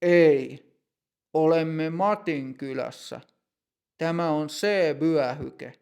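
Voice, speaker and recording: A man's voice: fairly high pitch, gravelly, a little mellow, clean tone. Man playing a stern ticket inspector. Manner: firm, stern.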